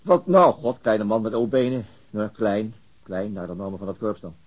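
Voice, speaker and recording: An actor playing a weary middle-aged city detective, hesitant and understated, in a naturalistic radio drama. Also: male voice, on the low side, normal speed, slightly rough, highs cut off. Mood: musing, hesitant.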